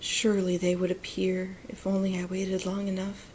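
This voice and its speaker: A soft-spoken woman with a gentle tone and medium pitch, moderate in pace, her intonation monotone and flat. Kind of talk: soft-spoken book reading / ASMR. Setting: close to camera, quiet indoor recording. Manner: soft-spoken, gentle.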